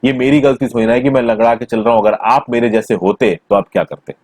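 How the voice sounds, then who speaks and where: A man teaching a school textbook chapter in a conversational way, mixing in English terms, recorded on a close mic in a small quiet room. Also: mid-range voice, fairly even intonation, fast, dry recording. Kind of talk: textbook lesson explanation.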